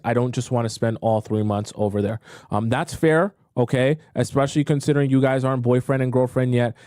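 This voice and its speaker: A man coaching on dating during a livestream, reading viewer questions and reacting with animated disbelief. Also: medium pitch, no room sound, studio quality. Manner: animated, incredulous, talks to chat. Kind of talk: livestream advice talk.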